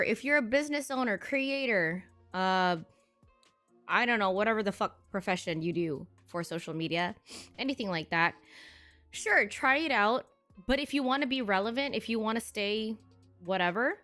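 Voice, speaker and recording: A woman streamer of Filipino heritage rambles to her chat in a high, sharp, bright voice. She talks bluntly and swears freely, laughing often. Faint music plays under her voice. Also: lively intonation, normal speed. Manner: blunt and profane, frequent laughter. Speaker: live streamer. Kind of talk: casual live-stream chat.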